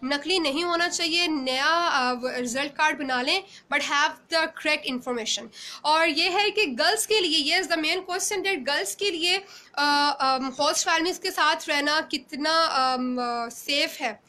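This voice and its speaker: A woman's voice: high voice, very fast, sharp tone. A young woman from Pakistan with a Pakistani English accent, answering viewers' questions in a live Q&A session, mixing English and Urdu with many fillers and restarts, filmed on a phone at arm's length in a small room. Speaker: former exchange student answering questions. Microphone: phone camera at arm's length.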